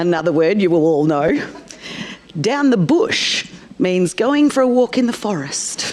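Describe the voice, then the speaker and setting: A woman in an Australian accent talks at a fairly slow pace, with long, frequent pauses and very wide pitch swings. Noticeable background noise sits behind her. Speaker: allied health clinician and session facilitator. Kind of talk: conference presentation. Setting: conference room with live audience. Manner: casual.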